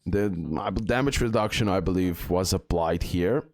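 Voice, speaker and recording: A man's voice: deep voice, normal speed. A man giving casual game commentary as a video host, rambling and repeating words with many fillers.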